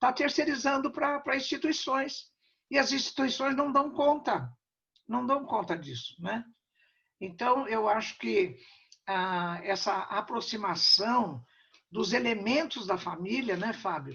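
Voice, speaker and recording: The delivery is very slow, with vocal fry throughout. Pitch swings very widely. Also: woman, fairly high pitch for a woman. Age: 80s+. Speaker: veterinary professor and spiritist lecturer. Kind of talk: interview.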